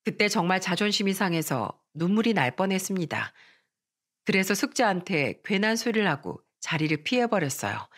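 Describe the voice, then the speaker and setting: Lively woman narrating a story. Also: mid-range voice, moderate pace. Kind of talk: scripted first-person story narration.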